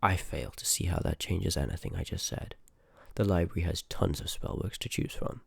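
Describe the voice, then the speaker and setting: Man performing a reluctant haunted-house sorcerer, very low pitch, crackly creaky edge, dismissive, sarcastic, grumbling, fantasy audio roleplay. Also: expressive, moderate pace, no echo, full character voice. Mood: sarcastic, weary. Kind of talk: ASMR roleplay voice acting, scripted.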